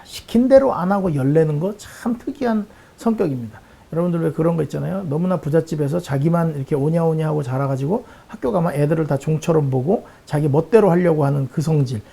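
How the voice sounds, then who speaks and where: A male pastor delivers a Bible lesson sermon in a gravelly, husky voice with a dark, mellow tone. His pitch swings widely as he preaches. He acts out the lines he quotes.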